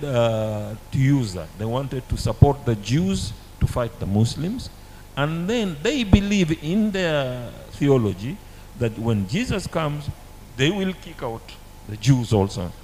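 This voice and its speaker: A man giving a halting, deliberate explanation as a guest in a history discussion. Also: medium pitch, big pitch swings, mellow, slight background noise, poor audio. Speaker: panel guest.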